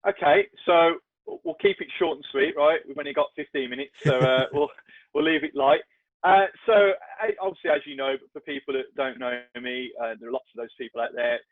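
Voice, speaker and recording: A man's voice: medium pitch, brisk, no room sound. A man with a Black Country accent, a podcast guest talking in a chatty, self-deprecating way with lots of restarts. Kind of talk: casual podcast chat. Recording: tinny, dry phone-like line.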